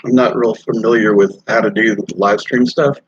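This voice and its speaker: A man's voice: on the low side, steady tone, normal speed, husky, no echo. A middle-aged man chatting casually on a live stream, rambling with lots of fillers and restarts. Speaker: motorcycle vlogger live streaming. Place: hotel or rest stop while traveling. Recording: dull lo-fi dry sound.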